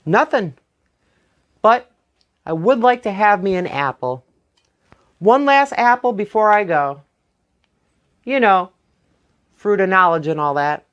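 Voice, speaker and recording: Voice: medium pitch, expressive, takes it slowly, long pauses, a bit bright, lo-fi sound, voice pushed up. A storyteller voicing Stingy Jack, a crafty, stingy trickster man who talks in a sly, wheedling way, in a told folktale. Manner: wheedling, sly, feigning innocence. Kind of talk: oral folktale telling.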